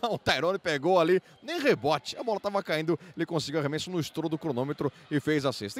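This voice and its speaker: A man's high voice at a very fast pace, with lively intonation and a dry, close sound with no echo. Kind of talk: basketball highlights commentary, voiced-over recap. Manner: animated, energetic, excited play-by-play delivery.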